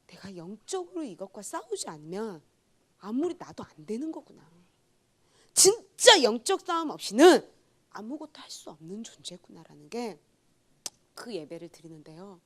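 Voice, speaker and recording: A young woman junior pastor giving a sermon with a personal testimony, telling it with loud outbursts and hushed asides. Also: medium pitch. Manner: animated storytelling, swings between loud outbursts and hushed asides.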